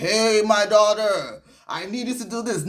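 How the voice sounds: At a moderate pace, a man uses a put-on character voice pitched high.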